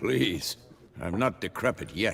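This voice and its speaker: Putting on a character voice, a man sounds weary and raspy. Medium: video game. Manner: gruff, world-weary.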